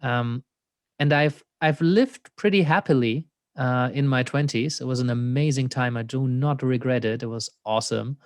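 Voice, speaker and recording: A man's voice: mid-range voice, normal speed, no echo. A man with a German accent, an existential coach talking thoughtfully as an interview guest, laughing often and leaning on "you know.". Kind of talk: reflective conversational interview.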